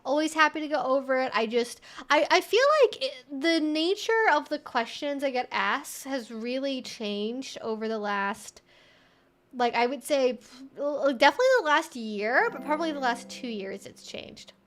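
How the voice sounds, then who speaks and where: A woman with a high-pitched voice hosts a casual livestream. She talks informally and thinks aloud, wandering a bit from point to point as she chats with viewers. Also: normal speed, fairly bright tone. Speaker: livestream host and educator.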